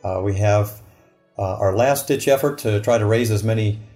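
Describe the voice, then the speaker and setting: A man hosting a Christian radio program in a studio, talking in a halting way with many fillers. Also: lowish voice, mellow, faint music behind.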